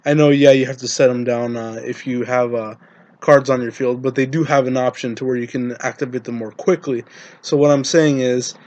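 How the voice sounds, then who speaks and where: A man with a sick, hoarse voice talks to his viewers, pausing often with ums and restarting his sentences. His voice sits in a middle pitch, and the recording is dry and close with no room sound. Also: fairly even intonation, darkish tone, no echo. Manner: hesitant, many ums and restarts. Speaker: Yu-Gi-Oh content creator. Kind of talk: casual talk to camera, deck-building tips.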